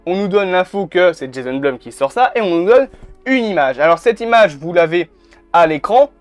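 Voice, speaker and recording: Dude ranting casually to camera, slightly high voice, faint music behind. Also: male voice, expressive, normal speed, dry recording. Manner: chatty, blunt, swears casually. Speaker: YouTuber. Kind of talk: casual video commentary. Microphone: camera mic.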